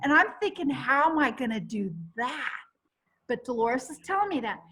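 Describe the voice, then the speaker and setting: A woman hosting a chat, telling a long story in an animated, rambling way with many restarts. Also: high voice, normal speed. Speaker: host.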